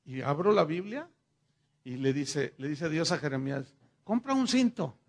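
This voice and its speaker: A middle-aged Mexican pastor delivers a sermon in a relaxed, conversational way. He voices both sides of the conversations in his stories. His voice sits high for a man and carries a gravelly rasp. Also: normal speed. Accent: Mexican Spanish. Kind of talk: sermon with personal storytelling.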